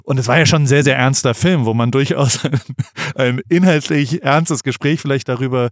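A man's voice: medium pitch, moderate pace, no echo. Male podcast host, casual slang, easygoing, dry close sound. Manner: relaxed, colloquial, slangy, many fillers. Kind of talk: casual chat.

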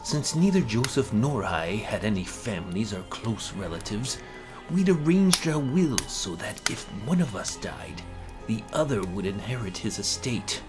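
A man narrating a horror story in a deliberate, theatrical and sometimes hushed manner. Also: on the low side. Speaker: narrator, amateur voice actor. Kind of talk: dramatic scripted horror narration.

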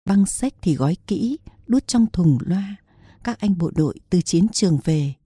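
A woman's voice: lowish voice, lively intonation, unhurried, warm tone, slightly rough, no room sound, clean studio sound. A woman narrating a historical novel as an audiobook, reading steadily in a storytelling manner.

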